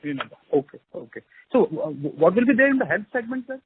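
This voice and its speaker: A quick-speaking man with a slightly high voice calls in as an analyst. He is deferential and stumbles a little, on a thin phone line with faint noise. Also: big pitch swings. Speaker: analyst caller. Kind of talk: asking questions on earnings call. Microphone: telephone.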